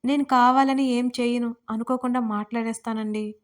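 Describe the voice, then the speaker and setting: A shy, innocent young wife with a soft, hesitant way of speaking, as a woman narrator puts her on. Her voice is high and a little raised, and sounds close and plain. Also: steady tone, moderate pace, close to an everyday voice. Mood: tearful.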